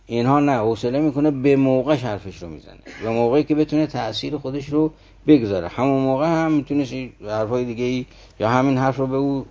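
A man's voice: medium pitch, dark tone, lo-fi sound. Man explaining verse, rhetorical questions. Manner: addresses listeners directly, rhetorical questions. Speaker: teacher of classical poetry. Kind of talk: didactic talk explaining verse.

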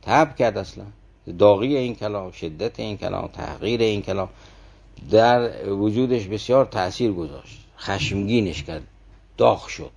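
A man's voice: on the low side, gravelly, darkish tone. A man teaching a classical verse story, explaining its meaning and turning often to his listeners with rhetorical questions. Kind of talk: didactic talk explaining verse.

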